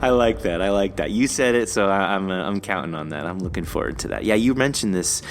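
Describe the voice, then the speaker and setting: Low-voiced man hosting a casual interview. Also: fairly quick, slight background noise. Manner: effusive, encouraging, informal. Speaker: interview podcast host.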